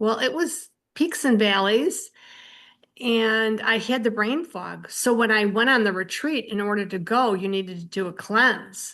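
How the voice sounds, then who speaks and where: A woman speaks with a bright, sharp tone at a fairly slow pace. The background is quiet. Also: fairly high pitch for a woman, lively intonation. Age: 60s. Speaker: spiritual healer and channel host. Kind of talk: casual chat.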